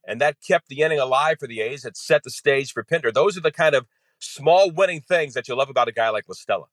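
A man who calls baseball games on radio, talking as a guest in an interview and laying out detailed, measured analysis of players and strategy. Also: mid-range voice, no echo. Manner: detailed, measured, steady flow of facts.

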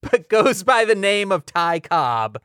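A man co-hosting a casual comedy chat with wry, deadpan musings. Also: high-pitched, takes it slowly, clean tone. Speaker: podcast co-host.

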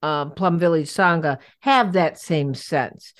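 Low-voiced woman host, stammery and animated, dry sound. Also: dry recording. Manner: animated, halting, many restarts and stammers. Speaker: podcast host. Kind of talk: casual conversation.

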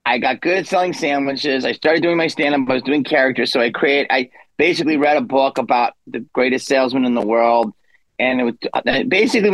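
A guest comedian in his fifties tells stories in a casual interview, his medium-pitched voice rambling with self-deprecating asides and laughs. The audio is poor, though free of echo.

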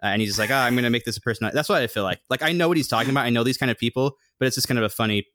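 Young guy podcasting, kinda monotone hum in his voice, dry close sound, lots of likes and ums. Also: racing, no echo. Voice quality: somewhat monotone, humming low resonance. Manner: rambling, thinks aloud with many fillers. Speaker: podcast co-host. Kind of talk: casual chat.

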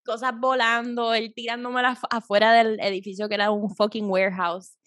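A woman in her thirties telling a story in a casual chat, animated and profane, slipping English phrases into her talk. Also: a little high, a little fast, no room sound, studio quality. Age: 30s.

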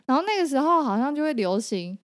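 A woman from Taiwan with a Taiwanese Mandarin accent, co-hosting a podcast and teasing her partner with quick questions. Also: sits high, big pitch swings, no room sound, clean studio sound. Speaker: podcast co-host. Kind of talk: casual chat.

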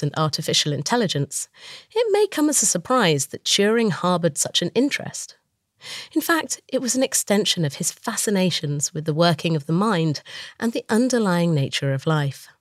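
A woman host, croaky from a chest infection, narrating a scripted science podcast with a storytelling manner. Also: fairly low pitch, no echo, studio quality. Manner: storytelling, lively emphasis on lists.

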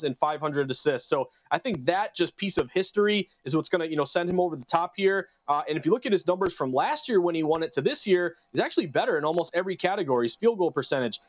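Male guest, slight Boston accent, rapid odds rundown, dry dull remote line. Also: high-pitched, dry recording. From western Massachusetts. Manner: brisk, number-heavy, upbeat. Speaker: sports betting analyst guest.

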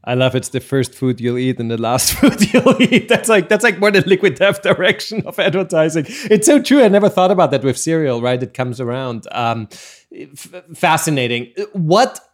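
A man's voice: on the high side, lively intonation, moderate pace. Stammering Austrian-accented male host. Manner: stumbling, repeats words, laughs often. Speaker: interview host. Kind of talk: casual podcast interview.

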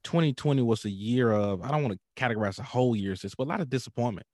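A man in his thirties with an African American accent, telling stories in an animated, informal way in a casual podcast interview. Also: medium pitch, very fast, no room sound, studio quality. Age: 30s. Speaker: pastor and podcaster.

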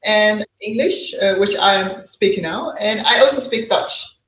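A woman's voice: medium pitch, a little slow, a bit bright. A woman in her thirties from China, a native Mandarin speaker with a Chinese accent, telling her story conversationally as a podcast guest. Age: 30s. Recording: echoey, roomy sound.

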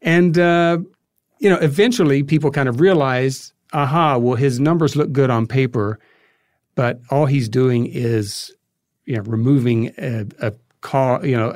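A man being interviewed as a guest, explaining history in a conversational, halting way as he thinks aloud. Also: mid-range voice, darkish tone, dry recording, clean studio sound. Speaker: interview guest, filmmaker and podcast creator.

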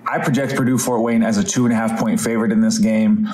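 A man, a betting analyst, giving his pick in a brisk, plain way. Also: medium pitch, fairly even intonation, a little mellow. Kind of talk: recorded pick segment. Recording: echoey room.

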